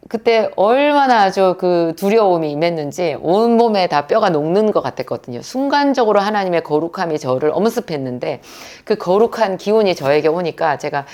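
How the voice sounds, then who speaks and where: A woman's voice: lowish voice, a little mellow. A middle-aged woman, a pharmacist who teaches prayer, telling her own story in a sermon-style talk and acting out the prayers she quotes.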